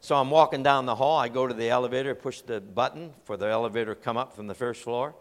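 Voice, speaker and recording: A man, preaching and telling a funny story with lively delivery. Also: mid-range voice, fast talker, long reverb tail. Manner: animated storyteller, acts out voices and laughs. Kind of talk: humorous sermon illustration.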